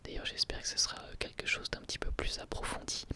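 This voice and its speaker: A man whispering an ASMR review of an anime episode as the channel host, speaking hesitantly with frequent filler sounds and restarts. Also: quick pace. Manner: soft whisper throughout.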